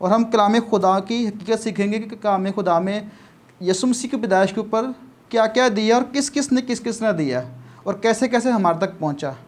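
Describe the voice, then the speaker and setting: A man's voice: high-pitched, normal speed. A male pastor preaching a sermon and leading a prayer, repeating his phrases in stacked runs and dropping English words into Urdu-flavored Hindi. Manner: repetitive, stacked phrases of praise.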